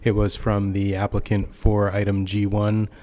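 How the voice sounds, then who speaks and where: A man speaking as city staff at a public meeting, measured and procedural. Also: on the low side, completely flat delivery, mellow. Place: council chamber.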